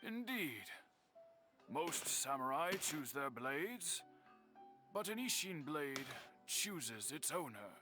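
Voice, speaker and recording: An actor playing a proud, worried older swordsmith in a video game, speaking formally and earnestly. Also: male voice, fairly high pitch, big pitch swings, slow pace, over music. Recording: game score playing behind.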